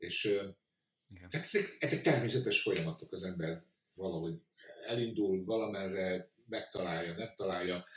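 Big swings in loudness mark this man's very deep, low voice, which has ordinary pitch variation and long, frequent pauses. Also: moderate pace. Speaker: illustrator. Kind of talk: interview.

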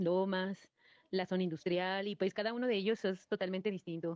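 A woman's medium-pitched voice at a moderate pace, flat and monotone. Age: 30s. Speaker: bicycle courier. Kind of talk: recorded interview testimony.

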